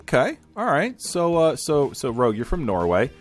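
A man hosting a casual podcast, energetic and talkative, often repeating himself with fillers. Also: medium pitch, normal speed, faint music behind. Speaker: podcast host. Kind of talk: casual chat.

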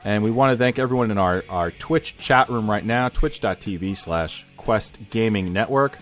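A man hosting a casual podcast, energetic and talkative, often repeating himself with fillers. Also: fairly low pitch, normal speed, soft background music. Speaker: podcast host. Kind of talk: casual chat.

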